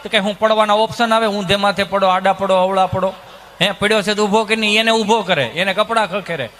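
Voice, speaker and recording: A male stand-up comedian with a Kathiawadi Gujarati accent, storytelling with lots of animation. His voice is very high and bright, with a sharp edge. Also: a little fast. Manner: animated, mimicking people in his stories.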